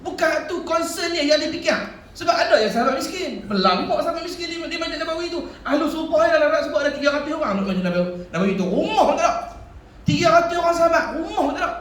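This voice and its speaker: A man's voice: very high voice, quick pace, slight background noise. A man preaching in a village prayer hall, telling stories with humor and acting out quoted speech. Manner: animated storytelling with laughter and acted quotes. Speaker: religious teacher. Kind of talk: village mosque sermon. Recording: echoey hall, speaker far from mic.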